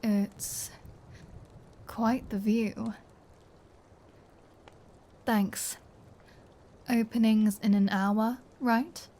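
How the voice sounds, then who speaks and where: A woman's voice: fairly high pitch, fairly even intonation, drawn-out words, long pauses, dark tone. A woman voicing a teasing, predatory female vampire in an ASMR roleplay, with an intimate, taunting drawl that often slips toward a whisper. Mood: breezy, charming.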